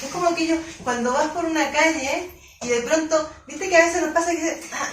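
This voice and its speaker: A woman coach and emotional therapist giving a conference lecture, animated, often stumbling and repeating words as she explains. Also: high voice, a little fast, background noise. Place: conference hall. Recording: roomy echo, mic from far off.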